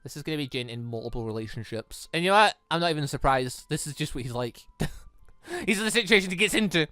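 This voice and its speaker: A gaming host with a bright, lively voice that swings widely in pitch. The delivery is casual and rambling, full of animated exclamations. The sound is close and dry, with music underneath. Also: quick pace, dry recording. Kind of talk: casual playthrough commentary, reading visual novel dialogue aloud.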